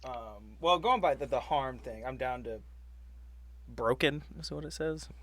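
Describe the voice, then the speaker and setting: A man's voice: medium pitch, a little slow, a bit bright, a little hiss or hum. A man playing a tabletop game, chatting casually and hesitantly as he thinks aloud.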